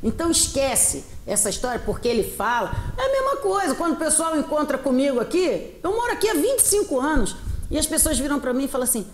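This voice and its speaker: A woman's voice: high-pitched, fast, echoey room, slight background noise. A middle-aged woman with a Carioca Brazilian accent, an English teacher chatting as a guest and acting out dialogue with laughs. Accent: Carioca Brazilian Portuguese. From Rio de Janeiro, Brazil. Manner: expressive, acts out quoted dialogue, laughs often. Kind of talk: animated interview chat.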